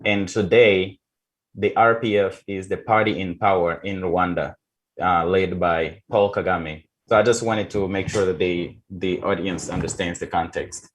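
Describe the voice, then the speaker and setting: A man hosting an interview show, speaking in deliberate, halting phrases and explaining things for the audience. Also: low-pitched, steady tone, rough recording. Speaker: talk show host.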